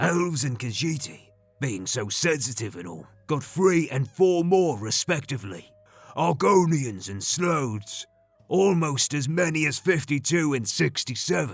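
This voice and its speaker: A man's put-on character voice, gruff and growling, fairly high in pitch, with very wide pitch swings, big swings in loudness, a moderate pace and faint music in the background. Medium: read story. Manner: blunt, coarse, dismissive.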